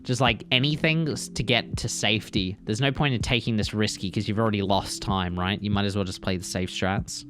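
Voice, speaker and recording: A man's voice: fairly low pitch, steady tone, a little fast, hardly any pauses, a bit bright. A man who is a speedrunner and streamer, giving casual, blunt, teasing commentary on gameplay with gamer slang and swearing. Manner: blunt, teasing, exasperated critique.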